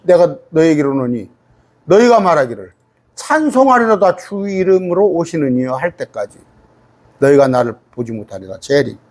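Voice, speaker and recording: A middle-aged male pastor teaching scripture in a lively, rising-and-falling voice that sits a little high for a man. He talks in a loose, conversational way, tosses rhetorical questions at his listeners, and slows right down when he reads verses aloud. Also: slightly rough. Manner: reads scripture aloud slowly, sometimes singing it. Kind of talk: bible study sermon.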